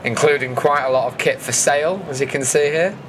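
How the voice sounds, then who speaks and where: A man's voice: fairly high pitch, fairly quick, fairly bright tone, slight background noise. A man giving a casual, dryly jokey voice-over commentary as the host of an event video.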